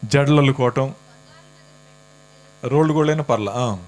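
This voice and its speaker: A man's voice: mid-range voice, moderate pace, darkish tone. A man preaching a sermon in a church, talking casually and teasing the congregation with questions. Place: church hall.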